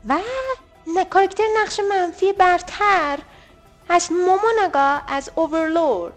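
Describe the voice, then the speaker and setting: High-voiced woman reading out poll results. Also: faint music behind. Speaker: podcast co-host.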